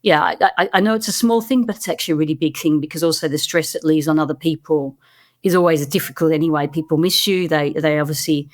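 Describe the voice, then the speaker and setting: A woman's voice: low voice, fast talker. A middle-aged woman from Australia with an Australian accent, talking earnestly as an interview guest and often restarting her words. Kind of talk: conversational interview.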